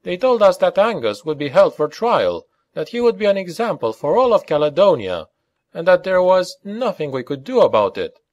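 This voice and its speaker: A man's voice: sits high, big pitch swings, normal speed, no echo, lo-fi sound, voice pushed up. A man voicing an earnest, worried and discouraged man in an audiobook. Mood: grim. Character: worried, discouraged local man at odds with tyranny.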